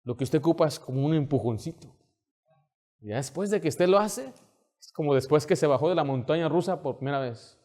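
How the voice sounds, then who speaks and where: A man preaching a sermon in a church sanctuary. His voice sits a little high for a man and rises into sudden high bursts. He acts out little scenes with sound effects before moving into an earnest prayer. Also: animated, a little fast, mellow. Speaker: pastor. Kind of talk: sermon with altar call and prayer.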